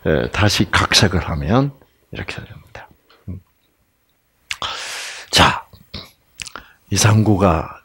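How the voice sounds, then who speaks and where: Guy teaching a bible class live, big swoops in pitch, keeps asking the audience questions. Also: fairly bright tone, husky. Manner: quizzes the audience with repeated prompting questions; emphatic, dramatic storytelling delivery. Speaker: health lecturer teaching the Bible.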